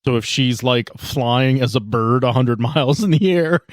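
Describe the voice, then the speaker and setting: A man's voice: mid-range voice, normal speed, dry recording. Casual male game master, dry close sound. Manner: casual, descriptive, with frequent restarts and asides. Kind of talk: narrating a tabletop game.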